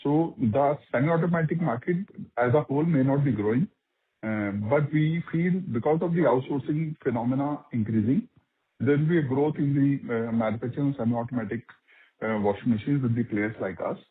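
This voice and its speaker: A company executive explaining business trends on an earnings call, with many fillers. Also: male voice, mid-range voice, fairly quick. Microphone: phone line. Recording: husky tinny phone line.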